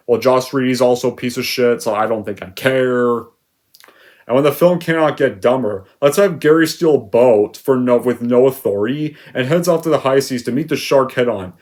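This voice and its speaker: A man's voice: medium pitch, brisk. Young male reviewer, exasperated rant, sarcastic bursts, mid-range voice. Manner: sarcastic, exasperated, loud outbursts. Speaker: movie reviewer. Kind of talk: ranting movie review.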